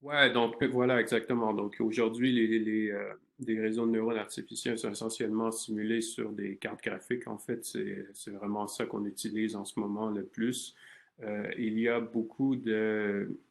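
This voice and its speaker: A man's voice: on the low side, flat delivery, normal speed, gravelly. A man from Canada in his thirties, a research scientist answering interview questions, talking hesitantly with many fillers and restarts.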